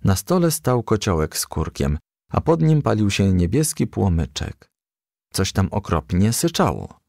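A man reading a children's story aloud in a gentle storytelling manner. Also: on the low side, sing-song, unhurried, creaky, dry recording, clean studio sound. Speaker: audiobook reader.

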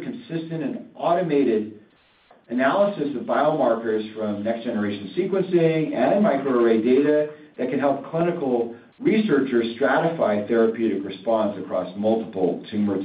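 A man delivers a prepared corporate earnings statement with formal, measured phrasing. His voice sits at an average pitch. It comes through thin like a telephone, with a roomy echo around it. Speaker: company executive. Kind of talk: scripted earnings call presentation. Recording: roomy, distant, tinny phone-line sound.

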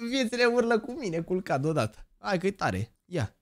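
A man in his twenties, live streaming and chatting, hyper and joking, bursting into shouted catchphrases. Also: high-pitched, very animated, dry recording, studio quality. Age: 20s. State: over-excited. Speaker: gaming streamer.

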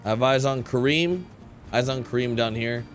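A man's voice: medium pitch, normal speed. American man gaming, music behind him. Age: young adult. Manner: animated, joking. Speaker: gaming streamer role-playing a police officer. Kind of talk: casual game commentary and improvised roleplay. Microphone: headset microphone, close.

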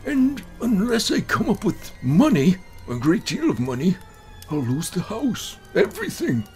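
Man voicing morbid old schemer, horror storybook, slow drawn-out delivery, lively pitch, music behind. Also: full character voice. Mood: desperate. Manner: ghoulish, dramatic, drawn-out. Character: morbid, menacing, scheming old gentleman Joseph. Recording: voice over background music.

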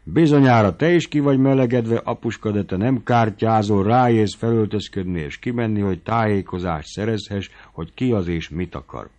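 A man voicing an irascible old country squire who barks orders in shouting tirades. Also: fairly low pitch, few pauses, lightly acted. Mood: grumbling. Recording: dull lo-fi audiobook recording.

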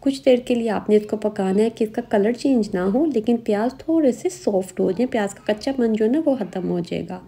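A woman hosting a cooking lesson in voice-over, speaking. Her voice is very dark and mellow with a gravelly edge. She explains each step calmly and plainly. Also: medium pitch, fairly quick, few pauses. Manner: calm step-by-step instructions. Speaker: cooking channel host. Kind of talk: recipe voice-over.

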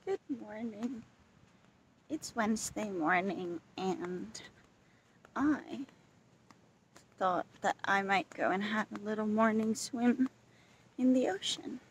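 A woman vlogging casually to a handheld camera at a beach campsite, talking in a relaxed, chatty way full of fillers and restarts. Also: medium pitch, slow pace, pauses often, low-quality recording. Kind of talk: casual vlog chat to camera. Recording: outdoor noise in background.

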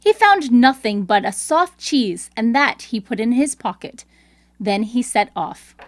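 A woman host reading scripted storybook narration in a clear storytelling delivery. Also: on the high side, very animated, measured pace, no room sound, studio quality.

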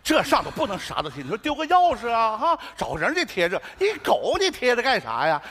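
A man's voice: very high voice, wildly swooping pitch, fairly quick, a bit bright. A man in a stage comedy sketch, sly and stammering, wheedling his way along. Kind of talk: northeastern comic sketch. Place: stage before a live audience. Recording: noisy stage recording.

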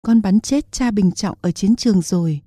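A woman's voice: mid-range voice, moderate pace, mellow, husky, dry recording, studio quality, lightly acted. A woman voicing a young male soldier back from the war, earnest and pleading, in an audiobook reading. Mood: tearful.

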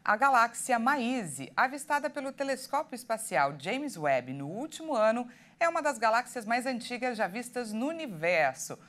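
A woman's voice: fairly high pitch, big pitch swings, normal speed, few pauses, a bit bright. A woman in her thirties anchoring a television newscast in a studio, reading in a friendly, polished way. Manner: friendly scripted delivery. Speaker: news anchor. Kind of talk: news anchoring.

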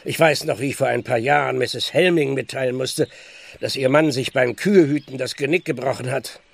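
An actor playing a weary, plain-spoken older village constable in a radio play, grumbling in a gravelly voice. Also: male voice, mid-range voice, a little fast, no room sound. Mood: worried. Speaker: actor in audio drama. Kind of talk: German radio play acting.

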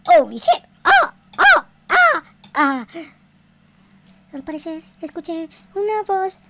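A woman's voice: extremely high pitch, wildly swooping pitch, slow, very noisy. A woman hosting a gaming video, giving theatrical, slangy, profane Minecraft roleplay commentary full of exclamations. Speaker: gaming video creator and host.

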